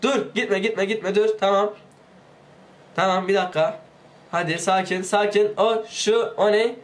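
High-voiced excitable man gaming. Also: measured pace. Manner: excitable, pleads with and yells at his game character. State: sick, voice may give out. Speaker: gaming YouTuber. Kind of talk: let's play commentary.

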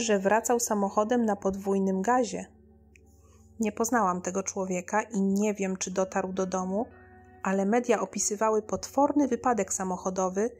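A woman narrates a scripted horror story in the first person. Her pitch sits in the middle for a female voice. Music plays behind her reading. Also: darkish tone. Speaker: audiobook reader. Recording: lo-fi home audiobook recording.

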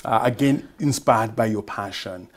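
A man's voice: lowish voice, normal speed. A middle-aged Kenyan man hosting a studio TV interview, affirming often and framing questions with "right?". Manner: affirming, frequent mm-hmms, leading questions with tag "right?". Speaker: TV host. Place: TV studio set.

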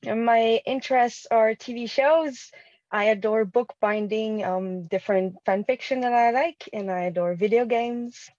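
A woman in her thirties, a guest on a video-call talk show, slightly croaky from a cold, speaking earnestly with frequent ums. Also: fairly high pitch, a little slow, a little mellow, dry recording. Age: 30s. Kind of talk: casual interview chat. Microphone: webcam mic on video call. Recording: dull lo-fi call audio.

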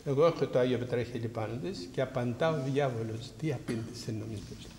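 A man's voice: mid-range voice, a little mellow, a little hiss or hum. A man, a priest, giving a spiritual talk to a congregation and asking them rhetorical questions. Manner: preaching with rhetorical questions to the audience. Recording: roomy hall with long echo.

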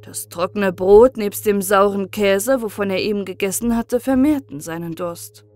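A woman narrating a fairy-tale audiobook in a calm, measured bedtime reading. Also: mid-range voice. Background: soft background music.

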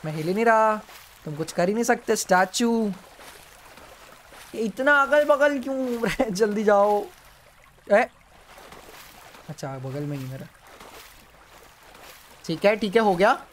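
A man streaming a horror game live, yelping, pleading and hushing as a monster comes near. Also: sits high, animated, slow pace, pauses often, slight background noise. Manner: jumpy, yelps and pleads with the monster, then hushes to a whisper. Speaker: gaming streamer. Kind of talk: live gameplay commentary.

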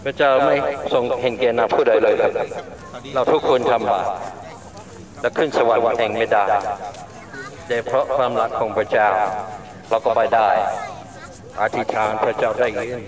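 A man's voice: medium pitch, steady tone, normal speed, long pauses. Man preaching on the street, echoey. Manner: repetitive, earnest, polite sentence endings. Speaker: street evangelist. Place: outdoor night market. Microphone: body-worn camera.

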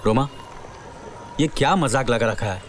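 An actor playing a genial, talkative middle-aged Urdu professor who turns firm and commanding. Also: male voice, mid-range voice, unhurried, a little hiss or hum, natural voice. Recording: film soundtrack with background music.

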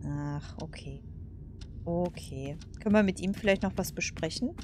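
A woman's voice: on the low side, normal speed, noisy background. A woman casually commenting over a game, chatty, laughing and cursing at setbacks. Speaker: let's play host.

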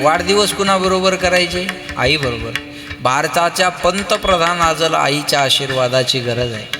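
A man with a Marathi accent preaching a devotional kirtan sermon, telling lively family stories, acting out their voices and calling on the crowd to answer. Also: fairly high pitch. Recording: long hall reverb with live music.

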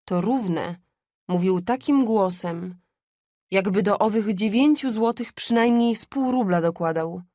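A woman narrating an audiobook of a classic story in a measured, expressive way. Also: mid-range voice, no echo, studio quality.

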